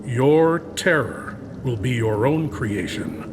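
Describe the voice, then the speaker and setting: Slow, ominous male horror host. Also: mid-range voice, animated, background noise. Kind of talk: theatrical horror host introduction.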